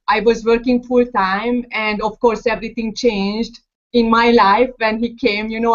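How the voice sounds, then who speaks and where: A woman from Hungary with a clear Hungarian accent speaks at a mid pitch, pausing often with fillers. The video call audio is dull and lo-fi. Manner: hesitant, many fillers. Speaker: guest mother. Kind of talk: casual call self-introduction.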